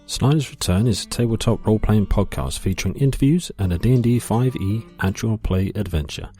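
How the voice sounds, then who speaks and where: A man's voice: fairly low pitch, a little fast, mellow. A man reading a scripted podcast promo as its announcer. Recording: light music under the voice.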